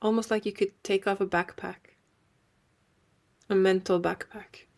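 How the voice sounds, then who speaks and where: Female meditation guide, medium pitch, gentle and unhurried delivery with generous pauses. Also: fairly even intonation, creaky.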